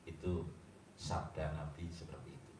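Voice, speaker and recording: A man reciting religious teaching in a measured preaching style, with slow, deliberate emphasis. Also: extremely low pitch, steady tone, a little mellow. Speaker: religious speaker reciting hadith. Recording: distant, echoey room with faint background noise.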